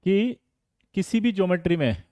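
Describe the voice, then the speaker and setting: High-voiced, playful chemistry teacher. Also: male voice, expressive, mellow, no echo, studio quality. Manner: playful, teasing students by name, rapid "jaldi batao" prompts. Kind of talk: energetic online exam-prep lesson.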